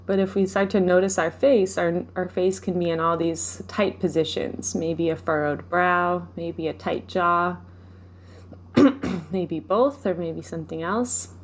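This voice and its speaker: A woman leading a guided meditation, speaking gently and without hurry, giving instructions with pauses. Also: lowish voice. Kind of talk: guided meditation, live session.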